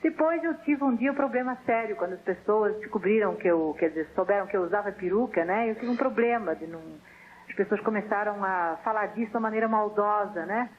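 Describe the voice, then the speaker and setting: A woman's voice: medium pitch, fairly quick, slight background noise. A woman from Portugal with a Portuguese accent, calling in to a TV talk show and talking frankly and reflectively about herself. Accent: Portuguese (European). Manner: reflective, frank, self-mocking. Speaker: phone-in guest. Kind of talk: candid call-in conversation. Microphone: telephone. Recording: tinny phone line.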